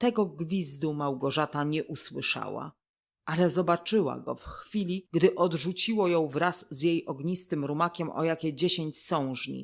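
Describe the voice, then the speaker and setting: A woman with an unremarkable speaking voice and fairly low pitch speaks at a moderate pace, with ordinary pitch variation and big swings in loudness, on a very clean recording with a silent background. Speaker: audiobook narrator. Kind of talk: audiobook narration of a novel, read aloud in a literary style. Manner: measured, expressive storytelling that slips into character voices for dialogue.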